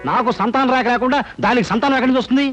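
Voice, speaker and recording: A grumpy, suspicious husband who snaps bluntly. He talks very fast in a high voice, over loud music on a dull film soundtrack. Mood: irritated. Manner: blunt, irritated. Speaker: film actor. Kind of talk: film comedy dialogue.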